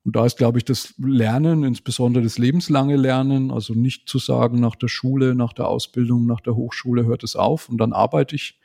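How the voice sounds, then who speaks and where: Gravelly, mellow-voiced man in his forties. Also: mid-range voice, fairly even intonation. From Germany. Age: 40s. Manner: thoughtful, measured, frequent "ne?" tag questions. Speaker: podcast guest. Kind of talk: casual conversational interview.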